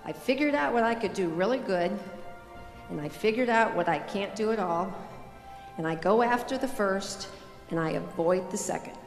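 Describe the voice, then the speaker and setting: A woman's voice: mid-range voice, animated, moderate pace, soft background music. An older woman giving a motivational keynote on a conference stage with a handheld mic, with a punchy, emphatic delivery aimed at the audience. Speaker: keynote speaker. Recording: roomy hall with long reverb.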